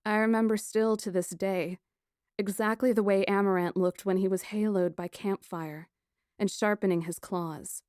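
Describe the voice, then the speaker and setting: A woman reading first-person fiction as an audiobook narrator, with a dramatic, expressive delivery. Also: mid-range voice, dry recording, studio quality.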